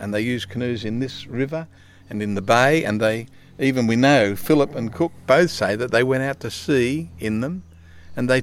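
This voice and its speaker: An Australian-accented man at a medium pitch, with a moderate pace and ordinary pitch variation. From Sydney, Australia. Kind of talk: casual interview. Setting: outdoors by a river.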